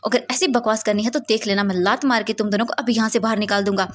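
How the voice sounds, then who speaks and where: A woman's voice: medium pitch, fairly even intonation, fast talker, lightly acted. Woman reading as a stern, curt male professor. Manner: curt, scolding. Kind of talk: storytelling fan-fiction reading.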